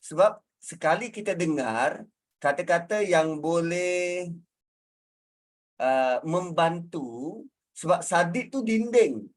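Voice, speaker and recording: A religious teacher with a Malaysian Malay accent gives a conversational lecture, explaining what words mean through everyday examples. His voice sits on the high side with lively intonation. He speaks slowly and pauses often.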